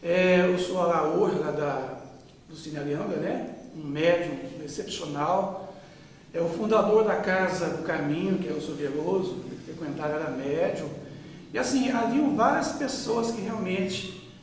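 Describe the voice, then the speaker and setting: A man in his fifties from Brazil speaks in a fairly high voice, slowly reminiscing with frequent pauses and fillers. He sounds distant from the microphone in a very echoey room with a long reverb tail, and a faint hiss sits underneath. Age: 50s. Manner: unhurried, with many pauses and fillers. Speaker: interviewee. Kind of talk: reminiscing oral-history interview. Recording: echoey room, mic far off.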